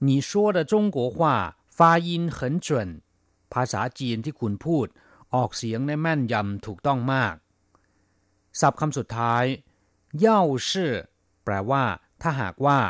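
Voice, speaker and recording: A man teaches vocabulary on a radio program. His voice is mid-pitched and dry, as if recorded close to the mic in a dead studio. He reads each example phrase with a lift, then explains it. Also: no echo. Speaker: Chinese language radio teacher. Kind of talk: radio language lesson.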